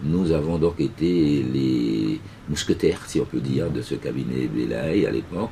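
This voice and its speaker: Noticeable background noise behind a man's voice of ordinary pitch variation. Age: 60s. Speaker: lawyer and environmental activist. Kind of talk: interview. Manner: hesitant, many fillers.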